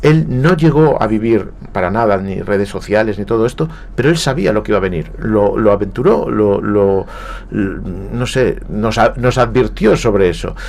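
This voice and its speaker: At a moderate pace, a man from Galicia with a Spanish accent talks in a fairly low, slightly mellow voice with vocal fry. He's a guest writer on a radio interview in the studio, reflective and prone to hesitating and repeating words.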